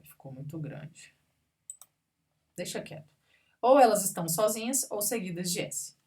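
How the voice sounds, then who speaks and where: A woman teaching a grammar lesson, patiently going through examples one word at a time and checking in with her students. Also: mid-range voice. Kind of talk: recorded classroom grammar lesson.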